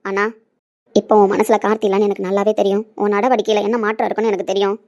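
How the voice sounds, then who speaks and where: A woman's voice: mid-range voice, flat delivery, fast talker, a little mellow, lightly acted. A woman playing a desperate middle-aged mother who pleads with and scolds her daughter in an emotional family drama. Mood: scolding. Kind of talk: Tamil web-series acting.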